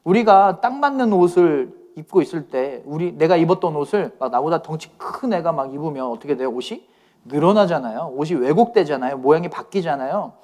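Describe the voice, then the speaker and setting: A man's voice: on the high side, expressive, a little fast, darkish tone. A man pastor giving a conversational youth sermon, often asking his listeners questions.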